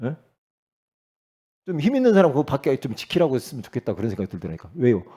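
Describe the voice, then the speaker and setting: A middle-aged male pastor preaching, emphatic, swinging from loud exclamations to low asides and quizzing his congregation. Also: huge pitch swings, fast talker, husky. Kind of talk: sermon.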